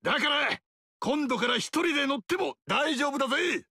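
Rowdy, gravelly tribal king. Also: animated, moderate pace, pushed and bright, dry recording, clean studio sound, full character voice. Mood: explaining. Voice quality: raspy, gravelly. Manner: rough, rowdy, booming laugh. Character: boisterous burly tribal king, big-hearted. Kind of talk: video game voice acting.

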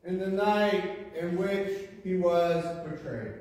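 A fairly high-voiced man intones a communion prayer slowly and deliberately, sometimes half-singing. He sounds far from the microphone, and a long cathedral echo rolls after every phrase. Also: darkish tone. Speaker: presiding minister. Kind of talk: liturgical prayer and communion liturgy. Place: large church sanctuary.

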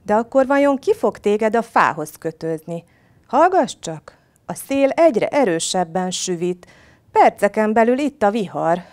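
A woman's voice: mid-range voice, sing-song, darkish tone, pitched above the performer's own voice, lightly acted. A woman voicing a clever male rabbit in a storybook tale, urgent and coaxing. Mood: sly. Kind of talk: storybook reading.

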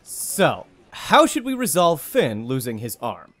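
A man playing a clueless, loud young writer in a cartoon sketch. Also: mid-range voice, huge pitch swings, slow, full character voice. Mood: puzzled.

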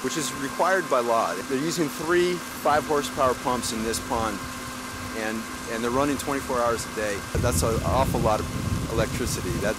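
A man chatting casually as a visitor on a tour, commenting and asking questions. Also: mid-range voice. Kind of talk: casual explanatory chat. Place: outdoors on site. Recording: loud engine-like outdoor background noise.

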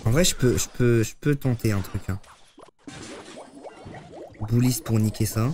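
A man giving live commentary on his own gameplay to chat, excitable and swearing often. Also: lowish voice, a little slow, music in the background. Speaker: streamer.

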